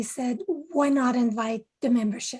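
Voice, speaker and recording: A woman with a French accent, high in pitch, at a fairly slow pace, with ordinary pitch variation. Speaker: association executive director. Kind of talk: webinar introduction. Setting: video call.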